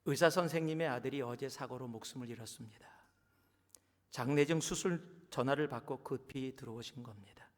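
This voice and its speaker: A man voicing a tearful female nurse in a hushed, half-whispered voice. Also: mid-range voice, a little fast, close to an everyday voice. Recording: long church hall reverb.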